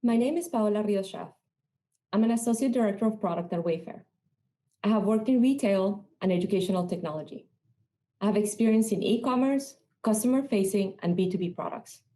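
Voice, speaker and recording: A woman from Peru giving a rehearsed conference talk in a measured, earnest storytelling manner. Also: mid-range voice, mellow. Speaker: conference speaker. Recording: roomy echo.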